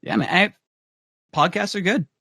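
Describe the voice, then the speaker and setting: A man's voice: high-pitched, moderate pace, gravelly, sharp tone, husky, no echo. Man with dry wry interjections. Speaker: podcast co-host. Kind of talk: casual podcast chat.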